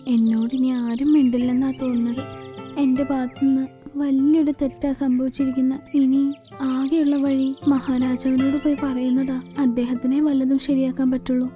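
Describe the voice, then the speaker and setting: A woman's voice: high-pitched, very animated, normal speed, pauses often, mellow, dull audio, soft background music. A woman voicing a scheming, greedy young female sparrow in a children's cartoon, with a coaxing, childlike manner. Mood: remorseful.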